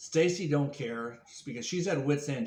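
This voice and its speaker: Somewhat breathy and fairly high-pitched, a man speaks with audible room echo. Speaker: gambling commentary youtuber. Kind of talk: casual commentary monologue. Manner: monotone.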